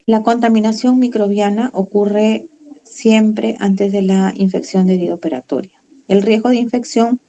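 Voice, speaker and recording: A woman's voice: medium pitch, dark tone, poor audio. A woman giving a medical lecture, reading from slides and then explaining in her own words with fillers and tag questions.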